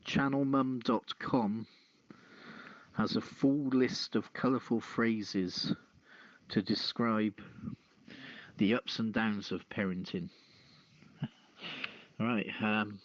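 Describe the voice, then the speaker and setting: Slow, low-voiced man hosting. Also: dry recording, dull audio. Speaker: podcast host. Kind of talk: casual news podcast presenting.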